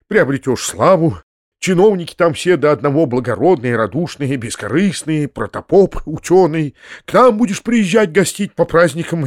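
Brief: kindly middle-aged gentleman, read by a man, earnest pleading manner, slightly high, dry close sound. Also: no echo. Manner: earnest, pleading, warm-hearted.

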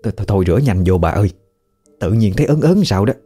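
An uneasy village woman hurries her words while washing dishes, as a man acts her out in his low voice with a Southern Vietnamese accent. Faint music plays behind. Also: lively intonation, mellow, breathy edge. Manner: nervous, hurried.

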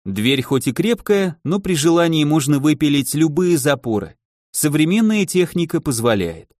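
A man's voice: fairly high pitch, very animated, moderate pace, darkish tone, no room sound, studio quality. A man narrating a crime novel as an audiobook reader, telling the story expressively. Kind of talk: scripted narration.

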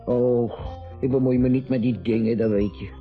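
A man's voice: mid-range voice, steady tone, normal speed, phone-quality sound, close to an everyday voice. A man playing an aging, grumbling, worldly party guest in a naturalistic radio drama. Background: faint music.

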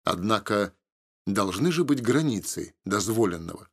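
A man reading a novel aloud in the first person, at a measured, even pace. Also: fairly low pitch, breathy edge. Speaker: audiobook narrator. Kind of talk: first-person scripted narration.

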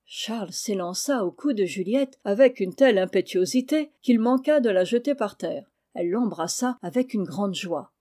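A woman narrating a classic storybook in a measured reading voice. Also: mid-range voice, animated, warm tone. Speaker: audiobook narrator.

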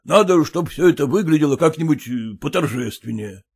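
A man voicing a stern, bossy older man who lectures and scolds his son-in-law in a slow, drawn-out way. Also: fairly high pitch, lively intonation, vocal fry, a little mellow, breathy edge, heavily acted. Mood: lecturing.

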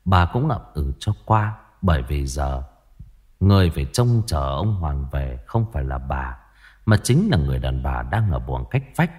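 A man narrating a ghost story in a lively way. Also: a bass voice, moderate pace, breathy edge.

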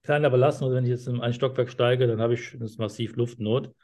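A man's voice: mid-range voice, fairly even intonation, fast talker, darkish tone, close to an everyday voice. A man playing a seventy-year-old male patient who describes his breathlessness hesitantly and at length, with many fillers. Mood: explaining. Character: elderly male patient, short of breath, chatty. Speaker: role-play patient in a medical exam practice. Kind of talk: simulated doctor-patient interview.

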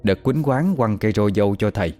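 A man telling a horror story in slow, even, suspenseful narration. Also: fairly low pitch. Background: faint music.

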